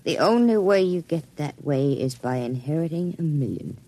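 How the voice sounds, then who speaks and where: A woman's voice: deep voice, expressive, moderate pace, mellow. An actress playing a frightened young woman, a gangster's former girlfriend, who speaks tensely and fearfully in a vintage radio drama. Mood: afraid. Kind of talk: 1940s radio acting.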